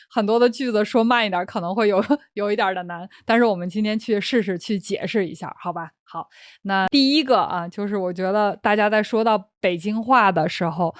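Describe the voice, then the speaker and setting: A woman's voice: mid-range voice, no room sound. Young beijing woman teaching chinese, laughs a lot, dry voice no room. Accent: Beijing Mandarin. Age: young adult. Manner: chatty, breaks into laughter, restarts phrases. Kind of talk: casual explanatory chat for learners.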